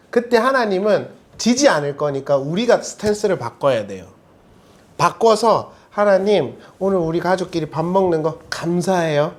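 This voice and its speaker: A man preaching a sermon as pastor, talking casually with jokes and acted-out quoted lines. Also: high-pitched. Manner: conversational, jokey, acts out quoted lines.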